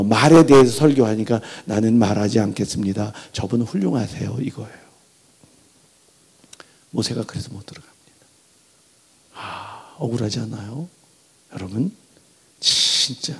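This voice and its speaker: A middle-aged pastor preaches with animated storytelling, jumping from loud outbursts to near-whispers. His voice is gravelly and husky, sitting a little high. It rings out in a large church hall with long reverb. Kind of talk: revival sermon. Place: church sanctuary.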